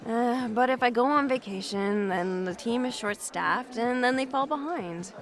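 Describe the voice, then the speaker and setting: A woman's voice: a little high, moderate pace, close to an everyday voice. An actress playing an overworked, contented homebody in her twenties, speaking in a hesitant, understated way in a naturalistic audio drama. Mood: mildly defensive. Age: 20s. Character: twenty-six-year-old overworked woman, homebody, contented and cautious.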